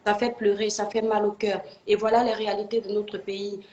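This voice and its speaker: A woman's voice: medium pitch, little pitch movement, fairly quick, dull audio, a little hiss or hum. A woman hosting a live-stream call-in, chatting kindly with callers and showering them with blessings. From Cameroon. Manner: warm, blessing-filled, calls viewers "my star". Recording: echoey room.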